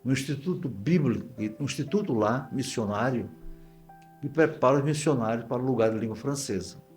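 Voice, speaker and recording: A man's voice: medium pitch, fairly quick, faint music behind. An older man with a Northeastern Brazilian accent, a guest pastor telling stories conversationally, repeating phrases and acting out quoted dialogue. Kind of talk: conversational storytelling interview.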